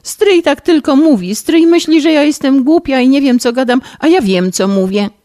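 A woman voicing a pampered, distraught young woman who pleads in a high, tearful voice in an audiobook reading. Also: lively intonation, unhurried, darkish tone. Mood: tearful, exasperated.

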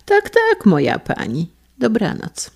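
A woman voicing a gossipy, sharp-tongued, pious elderly lady in a storybook reading, with a shrill, scandalized manner. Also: huge pitch swings, takes it slowly, vocal fry, slightly rough, full character voice.

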